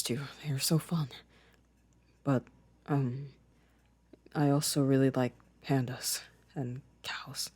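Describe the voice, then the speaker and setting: A young man playing a gentle, shy, affectionate boyfriend in an ASMR roleplay, speaking softly and hesitantly with careful phrasing. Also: mid-range voice, husky, no room sound.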